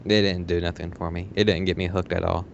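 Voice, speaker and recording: A man's voice: low-pitched, little pitch movement, fast, creaky. A young man chatting casually, with a blunt, dismissive way of talking. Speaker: podcast panelist. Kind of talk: casual chat. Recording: muffled audio with faint background noise.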